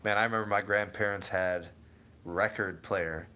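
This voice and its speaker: Young male livestream host, slightly low, bright tone; relaxed, meandering, talks straight to his chat. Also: normal speed. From Cleveland area, USA. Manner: rambling, self-correcting, answers viewers by name. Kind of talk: casual live chat reading viewer comments.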